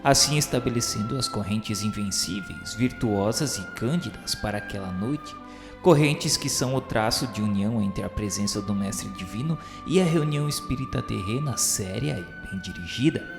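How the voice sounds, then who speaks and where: A man's voice: fairly low pitch, animated, moderate pace, vocal fry. A Brazilian man giving a solemn, formal, reverent narration of a scripted radio novel in a declamatory, literary style. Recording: echoey hall reverb with music. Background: music.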